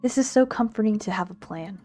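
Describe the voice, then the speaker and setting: A playful woman streamer plays a visual novel, reading its text aloud and adding casual commentary. Her mid-range voice is warm and fairly quick, with game music playing behind it.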